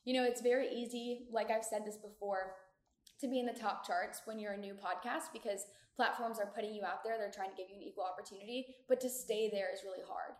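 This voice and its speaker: A young American woman in her mid-twenties speaks in a fairly high voice, as if chatting to her podcast listeners. Her delivery is informal and candid, peppered with "like". The room around her is noticeably echoey. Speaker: podcast host. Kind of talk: casual solo podcast chat. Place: echoey community room of an apartment building.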